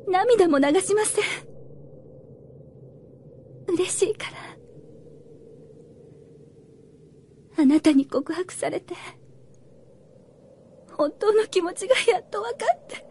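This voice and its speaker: An actress playing a tender, grieving young woman in love in a radio drama, speaking softly and with deep emotion. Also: animated, a little slow, pauses often, a little hiss or hum. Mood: hushed grief. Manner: soft, emotional. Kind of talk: Japanese fantasy radio drama acting.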